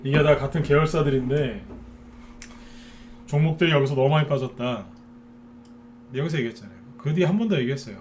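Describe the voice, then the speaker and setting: A man's voice: medium pitch, fairly quick, pauses often, darkish tone, faint music behind. Chatty man giving a live stock lecture. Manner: chatty, many filler "ne" and tag questions to viewers. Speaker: stock market commentator.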